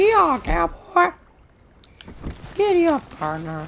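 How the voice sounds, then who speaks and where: A put-on character voice, high in pitch, at a very slow pace. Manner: drawling.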